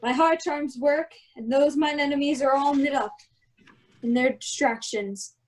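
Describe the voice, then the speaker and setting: Woman doing a commanding wizard duke, quite high voice, formal old verse, radio play style. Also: a little slow, darkish tone, poor audio. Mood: proud, satisfied. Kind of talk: Shakespeare performed as a radio play.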